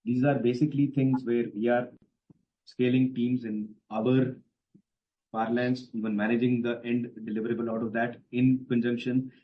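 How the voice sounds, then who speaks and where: A man's voice: medium pitch, level tone, moderate pace. Indian executive man, dull call audio. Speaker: company executive on an earnings call. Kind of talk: spontaneous explanatory answers to analysts. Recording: dull, band-limited conference call audio.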